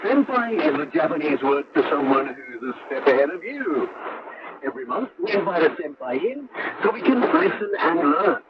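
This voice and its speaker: A man's voice: fairly high pitch, sing-song, moderate pace. A man hosting a radio program with upbeat scripted banter, heard over shortwave. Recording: dull, noisy shortwave radio reception. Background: loud shortwave static.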